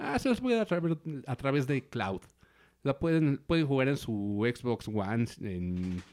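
A man with a Mexican accent and lively intonation at a fairly slow pace, in a very clean recording with a silent background. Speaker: gaming podcast host. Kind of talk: casual chat. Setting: studio. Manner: stutters.

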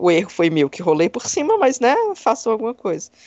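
A woman with a Brasília accent speaks at a fairly quick pace. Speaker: tabletop RPG group host. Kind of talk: casual chat. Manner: fast, nonstop talker.

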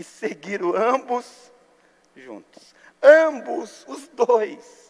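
A man's voice with very wide pitch swings. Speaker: pastor. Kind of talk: sermon.

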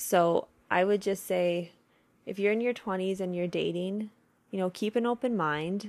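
At a moderate pace, a woman with a plain, everyday voice uses a medium pitch and fairly even intonation on a very clean recording with a silent background. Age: 30s. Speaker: podcast host and mindset coach. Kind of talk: casual solo monologue. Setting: sitting on her bed at home.

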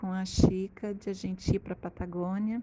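A woman is speaking. Her tone is dark and mellow. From Florianópolis, southern Brazil. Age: 50s. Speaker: cycle tourist. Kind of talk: recorded voice messages. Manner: halting, with many repetitions.

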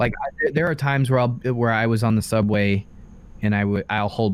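A normal speaking voice with an American accent, talking at a fairly quick pace with ordinary pitch variation. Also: man. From New York City. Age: 20s. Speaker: game streamer. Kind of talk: casual chat.

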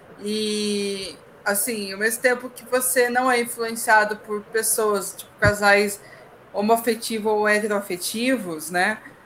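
A woman speaking fairly slowly at a fairly high pitch, with fairly even intonation, big swings in loudness and noticeable background noise. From southeastern Brazil. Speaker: podcast host. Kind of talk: casual chat. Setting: live stream.

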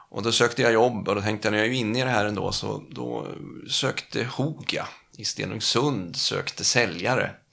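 Noticeable background noise accompanies a man speaking at a medium pitch. His pace is moderate and his pitch varies in an ordinary way. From northern Sweden, Sundsvall. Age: 50s. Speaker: IT business-systems consultant. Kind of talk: casual interview. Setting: office.

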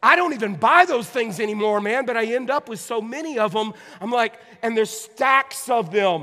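A man speaks in a raised, projected voice at an extremely high pitch. His tone is bright and sharp, and his intonation is lively. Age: 50s. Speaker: pastor. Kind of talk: sermon. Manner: conversational.

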